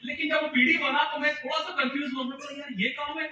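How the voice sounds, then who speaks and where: A man's voice: very high voice, flat delivery, quick pace, lo-fi sound. A man giving a storytelling speech to a live audience at a business meeting, animatedly acting out the dialogue in changed voices. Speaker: motivational speaker at a business meeting. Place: large meeting hall with audience. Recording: echoey hall, distant mic, noisy.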